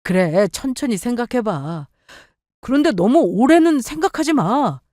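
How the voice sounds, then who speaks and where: A woman's voice: a little high, sing-song, unhurried, mellow, dry recording, studio quality, pitched above the performer's own voice. A woman voicing an eager, pushy young husband with a wheedling manner.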